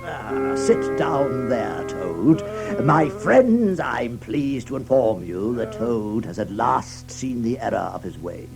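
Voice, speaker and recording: A gravelly, authoritative badger, stern and solemn, whose voice swings widely as he lays down the law. It is children's radio drama, with faint music underneath. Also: medium pitch, big pitch swings, full character voice, poor audio. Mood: grave, reasoning. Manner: deliberate, commanding, hesitating with gruff uhs. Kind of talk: children's audio drama acting.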